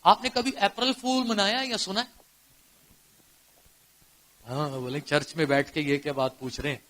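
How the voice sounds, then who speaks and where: Preaching a sermon at a church service, a pastor with a Pakistani accent speaks in a high, bright, forceful voice. He fires rhetorical questions at the congregation and moves between hushed storytelling and loud, ringing exclamations.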